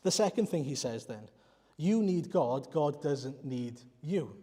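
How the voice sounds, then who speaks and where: A Welsh-speaking man from Wales preaches in a church, his voice sitting a little high for a man. He explains earnestly and turns often to rhetorical questions. The sound carries a long reverb from the church hall. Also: expressive, measured pace, dark tone. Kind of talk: sermon.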